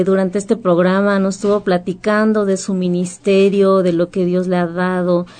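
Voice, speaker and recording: Woman radio host, mid-pitched, easy relaxed pace, Christian talk show. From Mexico.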